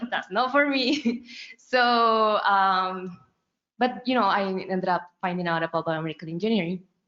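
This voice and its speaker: A woman with a Spanish accent speaks at a medium pitch and a moderate pace. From Colombia. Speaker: biomedical technician. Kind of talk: panel discussion.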